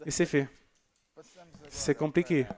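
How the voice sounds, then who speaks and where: A man's voice: a little high, fairly even intonation, takes it slowly, a little mellow. A man presenting a church TV program, reading out viewer messages in a chatty, joking way with loose asides. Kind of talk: casual broadcast chat reading viewer messages.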